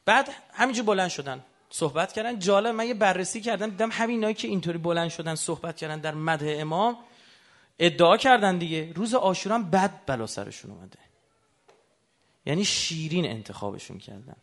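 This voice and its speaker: A man preaching a religious sermon in a somewhat high, gravelly voice. He keeps turning to his listeners with rhetorical questions as he speaks. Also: lively intonation, fairly bright tone. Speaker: religious lecturer.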